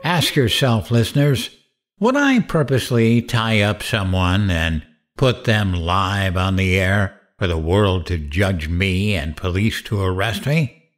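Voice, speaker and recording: Give the voice of a vengeful late-night radio host in an audio drama. He is low-pitched and unhurried, with theatrical swoops. He taunts deliberately, like someone driven mad by grief. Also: animated. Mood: mocking, angry. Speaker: radio show host character.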